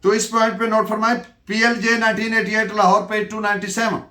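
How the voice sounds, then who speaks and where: A man with a Pakistani accent giving a lecture, deliberate and emphatic as he dictates references and switches between two languages. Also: high-pitched, level tone, bright, forceful tone. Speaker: law lecturer. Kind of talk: lecture dictating case citations and explaining legal principles. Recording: echoey room.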